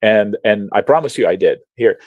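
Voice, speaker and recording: A man from Lebanon, an options trading educator, explaining charts on a video call in a chatty, animated way with slang and frequent restarts. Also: on the low side, moderate pace, no echo, narrow, tinny audio. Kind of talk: casual webinar explanation while sharing charts.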